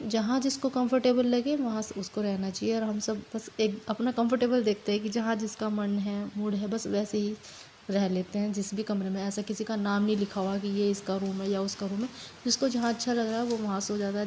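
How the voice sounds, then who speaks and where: A young woman with a hoarse voice from a fever and sore throat, talking casually and haltingly in a home vlog while doing housework. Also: mid-range voice, steady tone, a little mellow, a little hiss or hum, low-quality recording. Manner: tired, halting, apologizing for her voice. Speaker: family vlogger.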